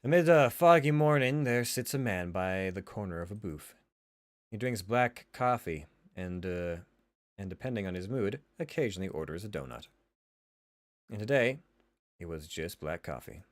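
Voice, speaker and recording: A man's voice: fairly low pitch, lively intonation, moderate pace, dry recording, studio quality. A man streaming a visual novel, reading the narration dramatically and adding casual asides. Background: faint music.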